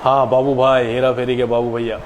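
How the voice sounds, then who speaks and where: A man in his late twenties answers viewers' questions in an easy, polite live chat, calling each of them by name with a respectful "ji". His voice sits at an ordinary middle pitch. A faint air-conditioner hum runs behind him. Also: little pitch movement, moderate pace, dull audio. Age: 20s. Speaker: actor hosting a live Q&A.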